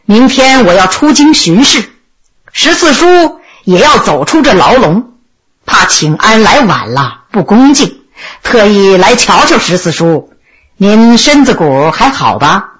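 A woman storyteller voicing a young emperor who speaks softly and respectfully. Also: medium pitch, big pitch swings, a little slow, slightly rough. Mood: gentle respectful.

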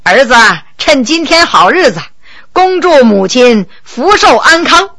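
A woman voicing a genial, shrewd male emperor in a storybook, speaking in a lowered voice. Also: sing-song, unhurried, fairly bright tone, exaggerated voice.

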